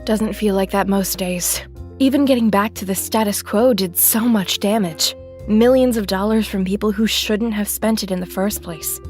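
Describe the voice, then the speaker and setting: An actress playing Snow White, a weary, guarded and sardonic deputy mayor with a dry, wry manner, in an audio drama. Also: female voice, mid-range voice, normal speed, a little mellow, faint music behind, close to an everyday voice. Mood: frustrated, earnest.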